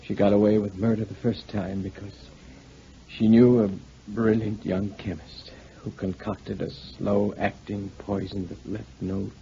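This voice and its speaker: A man playing a weary, dying husband with halting, resigned speech in a 1940s radio play. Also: fairly low pitch, flat delivery, gravelly, mellow. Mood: grim. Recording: dull, noisy 1940s radio recording.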